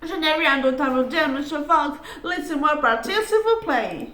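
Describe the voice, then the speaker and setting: A woman voicing a sly, scheming man who speaks smoothly and evasively in a narrated mystery game. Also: very high voice, expressive, unhurried, pushed and bright, roomy sound, exaggerated voice. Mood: pleading. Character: sly scheming male hotel guest.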